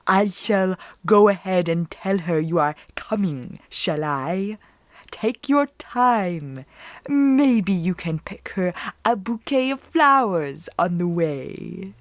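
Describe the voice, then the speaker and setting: A woman voicing an evil old man disguised as a wolf in a storybook reading, slow and falsely polite. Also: lowish voice, expressive, no room sound. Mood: sly, coaxing. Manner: slow, drawn-out, falsely courteous speech.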